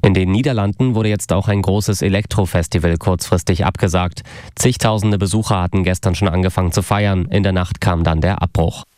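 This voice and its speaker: A man reading the radio news in an even, measured way. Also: low voice, no echo, studio quality. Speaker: newsreader.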